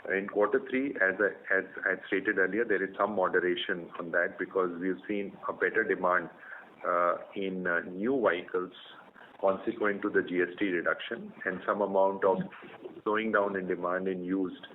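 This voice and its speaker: A man with an Indian accent, a company executive explaining results in a measured way on an earnings call. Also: low voice, fairly even intonation. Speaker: company executive answering analysts. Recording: narrow phone line with faint noise.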